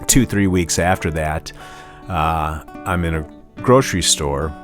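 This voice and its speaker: A man's voice: a bass voice, unhurried, a bit bright, faint music behind. A man guest in a casual interview, telling stories about his life as a musician, rambling with many restarts and "you know"s.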